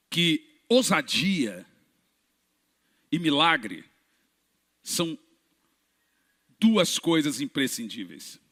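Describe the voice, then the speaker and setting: A pastor tells healing testimonies in sermon style, acting out every exchange. His voice sits high and bounces all over, bright and cutting. The sound carries a long reverb from a large church hall. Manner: dramatic storyteller who acts out dialogue, swings from hushed to shouting.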